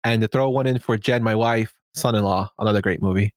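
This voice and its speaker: A man co-hosting a podcast, reading out film credits and then chatting about movies in a relaxed way. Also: on the low side, brisk, no room sound, clean studio sound. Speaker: podcast co-host. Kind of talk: casual movie chat.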